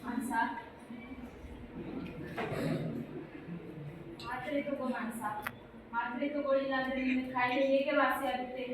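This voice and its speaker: A young woman acting as a desperate poor father who scolds his grieving wife, voice pitched high for a man. She is heard from far back in a booming hall with steady noise behind her. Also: fairly quick, close to an everyday voice. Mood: scolding. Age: young adult. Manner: firm, scolding, raises voice. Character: poor, stern, starving village father. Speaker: college student actor. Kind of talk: stage drama acting. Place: college stage hall. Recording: echoey hall from far off, noisy.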